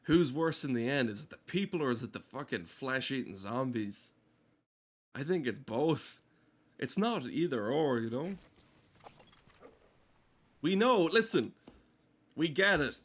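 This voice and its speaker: A man's voice: mid-range voice, animated, measured pace, pauses often. A man giving casual, rambling gameplay commentary in a sardonic, exasperated and sweary way. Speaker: game streamer.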